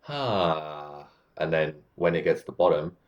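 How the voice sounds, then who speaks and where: A man coaching viewers on how to speak, in a relaxed, explanatory way that keeps checking in with the listener. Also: rumbling low, fast, muffled recording. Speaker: communication coach. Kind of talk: casual advice talk to camera.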